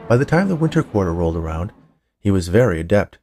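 Male storyteller for a fiction podcast: deep, fry-edged voice, measured scripted narration. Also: very animated, darkish tone, slight background noise. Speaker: writer, narrator and podcast producer.

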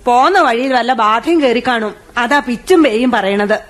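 An actress playing a fussy, sharp-tongued village mother who scolds her son in folksy speech, in a radio play. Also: on the high side, expressive, normal speed. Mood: scolding. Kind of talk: radio drama acting. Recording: radio play with music bed.

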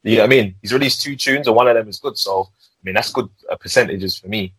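A man's voice: on the low side, fast talker, a bit bright, husky, no room sound, rough recording. A young man with a London roadman accent and slangy street delivery, chatting casually and repetitively as a music podcast host.

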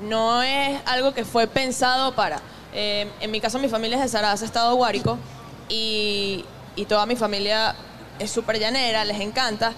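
A young woman from Venezuela with a Venezuelan accent, a guest musician talking in a relaxed, reflective way with many restarts. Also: fairly high pitch, normal speed, a little hiss or hum. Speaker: guest musician, maraca player. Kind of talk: casual conversation.

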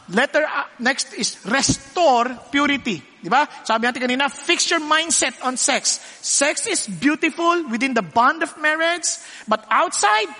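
A male pastor preaching in a very high, bright voice. He mixes in English and keeps asking the congregation if they follow. His voice rings with the long reverb of a hall. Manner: switches between Tagalog and English, asks the congregation questions. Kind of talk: sermon.

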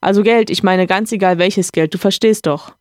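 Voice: medium pitch, moderate pace, darkish tone, no echo, clean studio sound, close to an everyday voice. A podcaster reading a novel aloud, voicing an agitated, protesting cavalry captain who stammers in a raised voice. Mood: indignant flustered. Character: indignant cavalry captain, flustered older man.

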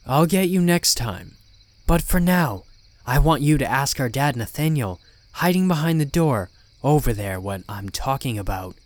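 A man's voice: mid-range voice, animated, moderate pace, dry recording, natural voice. A man voicing a taunting demon that speaks through a possessed young woman, with a mocking, theatrical manner and archaic turns of phrase.

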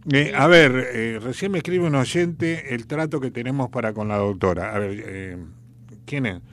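A man's voice: medium pitch, moderate pace, fairly bright tone. A man with an Argentine accent hosting a radio show, rambling in a chatty, folksy storytelling way. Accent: Argentine Spanish. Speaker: radio host. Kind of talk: casual radio chat.

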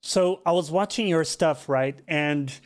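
A man's voice: on the high side, a little slow, clean tone. Chatty man hosting an interview. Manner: friendly, chatty, swears casually. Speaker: interview host, YouTube channel. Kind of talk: casual conversational interview.

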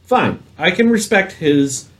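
A man's voice: sits high, expressive, takes it slowly, fairly bright tone. A man in his thirties hosting a casual chat over drinks, ranting with emphatic repetition. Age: 30s. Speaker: host.

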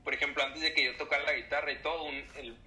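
A man's voice: a little high, fast, poor audio. A man in his twenties with a Mexican accent, a church musician telling stories in a casual interview and acting out the voices in them. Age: 20s. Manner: animated storyteller, acts out voices.

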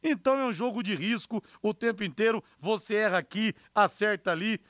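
A man's voice: high voice, fairly quick, fairly bright tone, dry recording, clean studio sound. A man with a Brazilian accent hosting live sports talk on the radio, emphatic with conversational asides. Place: radio studio.

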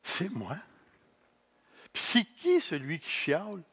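A man in his sixties preaches with a Québécois accent, his voice sitting a little high for a man. He takes his time, letting each phrase land slowly and repeating the key lines. Self-mocking humor runs through his sermon. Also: wildly swooping pitch, creaky, fairly bright tone, slightly rough. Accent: Québécois French. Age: 60s. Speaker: pastor.

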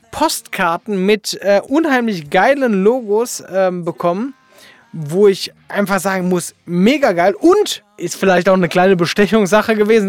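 A man's voice: high-pitched, dry recording. A man hosting a casual podcast interview in a jokey, slangy, informal way. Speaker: podcast host.

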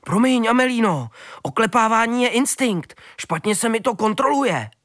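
A man's voice: very high voice, expressive, fairly bright tone, dry recording, clean studio sound, voice pushed up. A man voicing a clumsy, apologetic male dog in a storybook reading, eager and sheepish.

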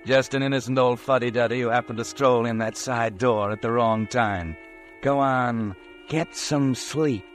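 A man's voice: medium pitch, a little slow, lightly acted. Sardonic radio suspense narrator, music behind a man acting. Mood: taunting, ominous. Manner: taunting, insinuating. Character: sardonic omniscient narrator needling a guilty man. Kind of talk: 1940s radio suspense narration in second person.

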